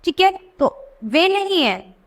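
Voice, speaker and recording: Teaching young children to read, a woman with an extremely high, sing-song voice asks questions and then answers them herself. She stretches words out slowly to show their sounds.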